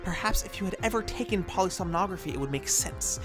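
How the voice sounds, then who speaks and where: A pompous, fussy scientist, played by a male actor, lectures in precise, ornate phrases. His pitch swoops about excitably in this audio drama, with music playing behind him. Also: fast. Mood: lecturing.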